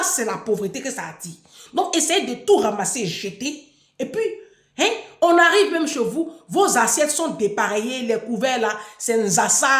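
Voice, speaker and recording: A woman's voice: sits high, echoey room. A woman talking straight to her followers in an unscripted monologue, scolding them emphatically and repeating words for effect. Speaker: online personality addressing followers.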